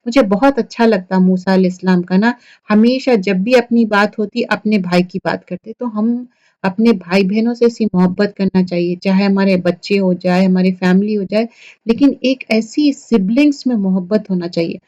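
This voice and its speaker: A woman's voice: medium pitch, warm tone, dull audio. A woman giving a conversational Quran commentary lesson, retelling the story and asking her listeners rhetorical questions. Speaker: Quran teacher for women.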